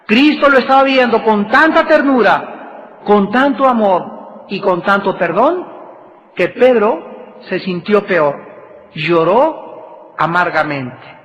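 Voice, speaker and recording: A man's voice: lively intonation, takes it slowly, pauses often, fairly bright tone. A man preaching a sermon, with emphatic swells and drops in his delivery. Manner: emphatic preaching with dramatic swells in pitch and volume. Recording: reverberant hall, dull lo-fi sound.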